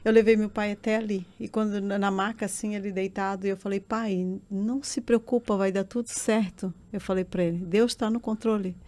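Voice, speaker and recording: A woman's voice: mid-range voice, fairly even intonation, a little fast, few pauses, mellow. A woman giving an emotional faith testimony as a guest in an interview, telling her story earnestly and with passion.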